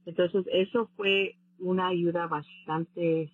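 A woman's voice: fairly low pitch, fairly even intonation, takes it slowly, breathy edge, no echo. A woman telling her own story as a former scholarship recipient in an interview, earnest, with hesitant restarts. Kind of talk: casual personal story in an interview. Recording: dry tinny phone-like line.

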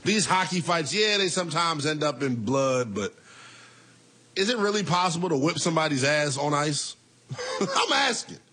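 A man in his twenties hosting a call-in sports talk show, animated and laughing as he banters with callers. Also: a little high, normal speed, husky. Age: 20s.

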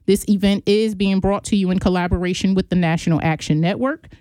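A woman's voice: mid-range voice, fairly even intonation, fairly quick, warm tone, smooth, dry recording. A woman hosting a radio program, reading event announcements in an upbeat promotional way and welcoming a guest. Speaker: radio show host for a business chamber. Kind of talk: reading announcements, then interviewing.

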